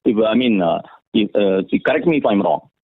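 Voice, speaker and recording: A man asking questions as a caller on an earnings call, halting but persistent. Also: lowish voice, animated, breathy edge. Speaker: investor or analyst caller. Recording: tinny, dry phone line.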